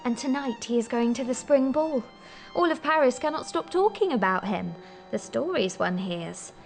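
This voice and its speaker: A woman's voice: fairly high pitch, lively intonation, moderate pace, creaky, faint music behind. An actress playing an eager, emotional young woman confiding in her grandfather in a radio drama. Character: young granddaughter, lovesick and tearful.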